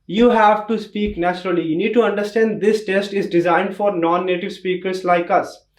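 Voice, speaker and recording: A man's voice: sits high, fairly even intonation, normal speed, echoey room. A young man with an Indian accent teaching exam tips in an emphatic tutorial style, repeating key points. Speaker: test prep teacher. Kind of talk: instructional tutorial.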